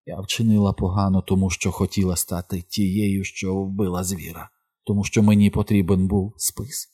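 A man voicing a badly wounded woman hunter, fierce and proud, who speaks in urgent whispers and loud battle calls. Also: low-pitched, flat delivery, normal speed, breathy edge.

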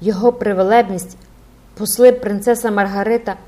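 A woman's voice: medium pitch, steady tone, fairly quick, dark tone, close to an everyday voice. A woman voicing a frightened male actor who stammers and trembles before an angry crowd. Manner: trembling, flustered.

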